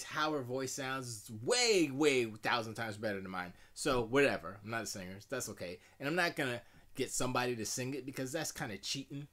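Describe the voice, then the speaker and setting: A middle-aged man with a deep voice, chatting casually and rambling in a self-deprecating way while streaming from his home music studio. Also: fairly bright tone. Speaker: music producer streaming live. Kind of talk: casual live-stream chat.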